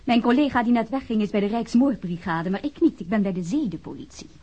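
An actress playing a tough, sardonic vice squad policewoman with a husky voice in a radio crime drama. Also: medium pitch, fast talker, warm tone, highs cut off, close to an everyday voice. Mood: mocking, assured. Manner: sardonic, unyielding.

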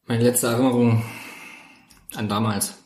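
Casting: man improvising proud male welder, melodramatic, halting mock-solemn storyteller, echoey room. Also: mid-range voice, little pitch movement, a little mellow, natural voice. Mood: mock-solemn nostalgia. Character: proud, melodramatic welder nostalgic for his old life.

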